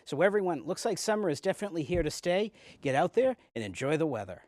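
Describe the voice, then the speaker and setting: A man's voice: a little high, sing-song, fast, darkish tone, no room sound, studio quality. A man presenting a local TV weather forecast in a conversational, folksy way.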